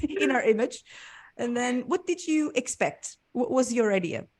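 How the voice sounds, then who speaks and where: A woman hosting a podcast, enthusiastic and quick to laugh, often repeating words as she talks. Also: on the high side, animated, darkish tone. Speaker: podcast host. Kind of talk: casual interview chat.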